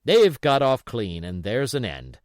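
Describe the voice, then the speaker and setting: Man playing a brisk, emphatic revenue officer. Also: medium pitch, wildly swooping pitch, darkish tone, no echo, studio quality. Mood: gruff, resigned. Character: brisk, blunt male revenue officer in authority. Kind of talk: audiobook character voice.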